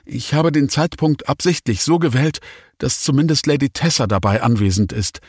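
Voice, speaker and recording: A man's voice: medium pitch, expressive, normal speed, breathy edge, no room sound, clean studio sound, voice pushed up. A man voicing an insistent male white dragon lord in an audiobook, speaking emphatically and with urgency. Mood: earnest. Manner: emphatic, commanding.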